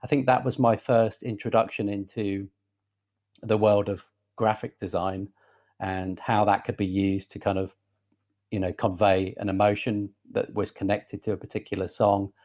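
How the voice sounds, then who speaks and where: A man in his forties with a softened northern English accent, a guest talking casually in a podcast interview, relaxed and hesitant, with many fillers and restarts. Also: lowish voice, normal speed. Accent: Northern English, softened by southern England. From northern England. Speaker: guest, creative director.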